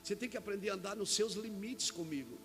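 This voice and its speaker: Brazilian pastor man preaching, tells stories, voice a bit high, music going behind. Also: fast. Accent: Brazilian Portuguese. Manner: storytelling with quoted dialogue, shouting at peaks. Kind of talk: sermon. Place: church event hall.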